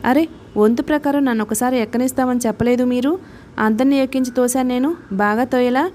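A woman's voice: sits high, fairly quick, darkish tone, slight background noise, lightly acted. A woman voicing a poor young boy who pleads to be let in on the game in an audiobook. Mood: hurt.

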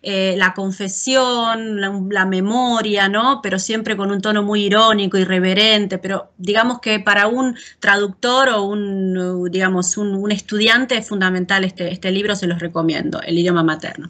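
A university lecturer hosts an interview over a webcam call, speaking with articulate enthusiasm as she introduces her guest and sets up her questions. Her voice is bright and forward, with a pitch in the middle range. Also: steady tone, normal speed, hardly any pauses. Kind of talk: academic interview hosting. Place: home room. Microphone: video call webcam.

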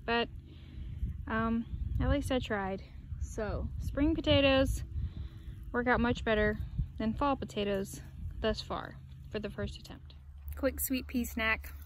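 A woman's voice: fairly high pitch, slow pace, pauses often, a little hiss or hum. Young woman chatting outdoors on a farm. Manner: chatty, talks to the animals in a soft baby voice. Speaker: farm vlogger. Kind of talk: casual chat. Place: outdoors on a farm among animals. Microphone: phone camera, often held at arm's length. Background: farm animals and outdoor ambience.

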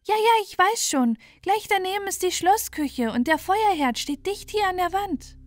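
A woman voicing a kind, busy little male shrike in a fairy tale, brisk, chirpy and reassuring. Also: extremely high pitch, animated, no room sound, clean studio sound, pitched above the performer's own voice. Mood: brisk, helpful. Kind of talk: fairy-tale storybook character voice. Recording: music behind the voice.

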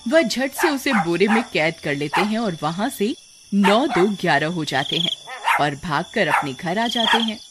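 A woman giving scripted storybook narration in an expressive storytelling manner, over loud background noise. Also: mid-range voice, unhurried.

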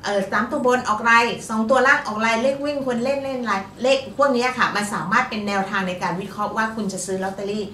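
A woman's voice: on the high side, quick pace, few pauses, bright, forceful tone, recorded from a distance, a little hiss or hum. A woman co-hosting as an astrologer, talking in a chatty, upbeat way and laughing easily. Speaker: astrologer co-host. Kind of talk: casual chat. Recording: echoey room, voice from off-mic.

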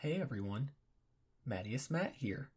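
A man's voice: mid-range voice, very animated, measured pace, a little mellow, slightly rough. A man with a sick voice, an audio roleplay creator addressing listeners in an outro.

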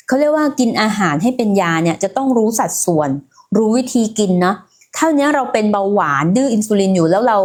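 A woman hosting a casual health livestream, talking in a chatty way and speaking straight to her viewers. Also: medium pitch. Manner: chatty, many fillers, addresses viewers directly.

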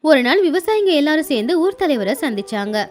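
A woman's voice: high-pitched, big pitch swings, quick pace. A woman narrating a cartoon moral story and voicing the mother, in a plain, simple way. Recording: faint music underneath.

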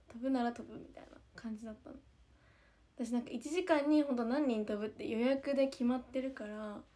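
A woman's voice: fairly high pitch, creaky, warm tone. A young woman from an idol group chatting casually to viewers, talkative and giggly, often repeating herself.

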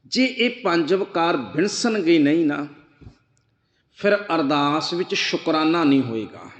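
Slow-speaking Sikh preacher man. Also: fairly high pitch, lively intonation, echoey room, long reverb tail, highs cut off. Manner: chants scripture lines slowly, then explains earnestly. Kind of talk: slow devotional sermon.

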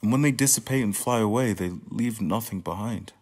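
A man's voice: fairly low pitch, fairly quick, a little mellow, husky. An actor playing a frustrated, sardonic black male playwright in a radio play monologue, profane, confessional and emphatic. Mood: reflective, uneasy. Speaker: student actor.

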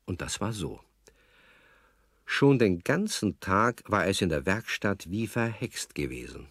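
Low-voiced, animated male storyteller. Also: unhurried, breathy edge, no room sound, clean studio sound. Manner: addresses young listeners with questions. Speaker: narrator. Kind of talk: scripted storytelling for a children's audio play.

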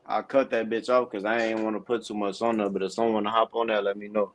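A man's voice: lowish voice, flat delivery, quick pace. A man in casual livestream chat as a guest rapper.

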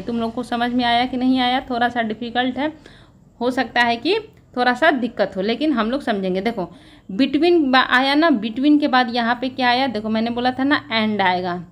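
A woman's voice: sits high, a bit bright. A woman teacher explaining English newspaper editorial vocabulary and grammar, often asking a question and answering it herself. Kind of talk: editorial analysis lesson.

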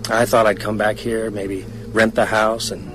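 Radio drama actor as brooding male writer: lower register, hesitant, reflective, haunted, with atmosphere behind the voice. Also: flat delivery, measured pace, natural voice, low-quality recording. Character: thoughtful, haunted male novelist confiding his fears. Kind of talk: naturalistic radio drama dialogue.

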